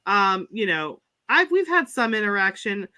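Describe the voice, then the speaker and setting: A woman's voice: mid-range voice, big pitch swings, normal speed, sharp tone, no room sound. A woman with an Appalachian accent co-hosting a podcast, chatty and giggly, often trailing off mid-sentence. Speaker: podcast co-host. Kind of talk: casual chat.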